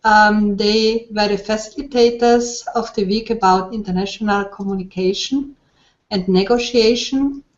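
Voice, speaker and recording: Slow-paced woman hosting a web call. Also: mid-range voice, fairly even intonation, dull audio. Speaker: host, interviewer. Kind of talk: interview in an online hangout. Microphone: online video call.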